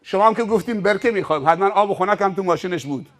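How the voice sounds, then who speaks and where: High-voiced man preaching emphatically. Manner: emphatic, vivid, acts out scenes. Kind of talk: sermon with dramatized storytelling.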